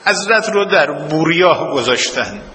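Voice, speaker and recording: A man's voice: a little high, animated, bright, forceful tone, slight background noise. A man preaching a mourning sermon and leading prayers, rising into a wailing chant. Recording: long hall reverb, faint ambience.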